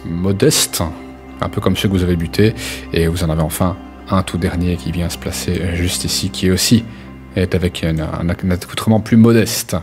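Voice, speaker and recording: A man's voice: low voice, steady tone, moderate pace, over music. A man improvising narration as game master of a tabletop role-playing game, in a hesitant, conversational way.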